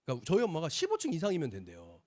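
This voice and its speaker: A man giving a sales seminar talk, telling his family story in an animated way and acting out the voices of the people in it. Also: on the high side, rapid-fire, dry recording. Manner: animated storyteller, acts out quoted dialogue. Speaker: business presenter.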